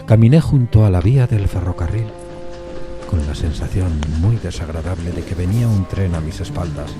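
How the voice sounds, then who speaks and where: A man narrating a gothic suspense story from a script in a measured, solemn storytelling manner. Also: low-pitched, lively intonation, music in the background.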